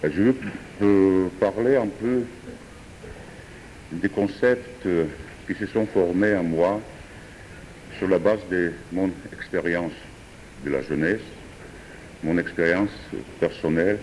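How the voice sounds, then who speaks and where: A man, a French speaker, improvising a philosophical talk with hesitant pauses and fillers. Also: deep voice, a little mellow, slight background noise. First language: Georgian. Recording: distant voice in a reverberant hall.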